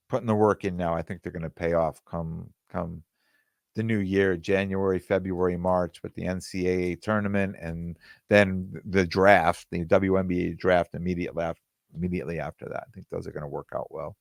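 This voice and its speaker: A man hosting his own podcast in casual, rambling talk, with plenty of fillers and restarts, and his voice going hoarse. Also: sits low, level tone, moderate pace, dry recording, clean studio sound. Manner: quotes other people in dialogue. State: losing his voice. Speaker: podcast host.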